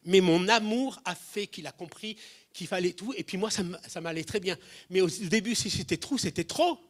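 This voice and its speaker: Humorous sermon storytelling comes from a man whose voice is high-pitched and whose pace is moderate. Addressing a congregation, he animatedly acts out the voices of people he quotes, with abrupt jumps in volume.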